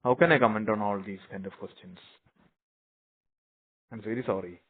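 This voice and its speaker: A man's voice: lowish voice, normal speed, breathy edge. Indian man on a thin phone line. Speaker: company executive answering investor questions. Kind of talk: earnings call question and answer. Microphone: conference call phone line. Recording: muffled narrow phone line.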